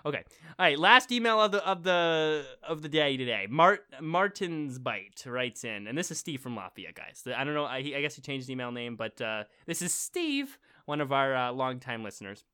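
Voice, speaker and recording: Bright, excitable young man rambling. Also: mid-range voice, normal speed, smooth. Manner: rambling, filler-heavy, excitable about marble racing. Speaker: podcast co-host reading listener emails. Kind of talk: casual chat.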